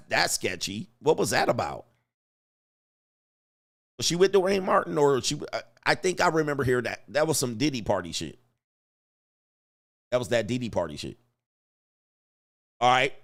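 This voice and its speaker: A man's voice: mid-range voice, fairly bright tone. A middle-aged man from Southern California, hosting a casual livestream and reading viewer super chats with laughing, mocking asides.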